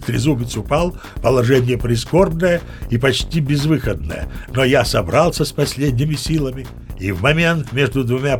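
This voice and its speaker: An actor playing an old sea captain, spinning tall tales in a leisurely, self-important, theatrical way for an audiobook drama. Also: male voice, mid-range voice, natural voice. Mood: rueful. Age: older. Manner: leisurely, pompous, savouring pauses and asides.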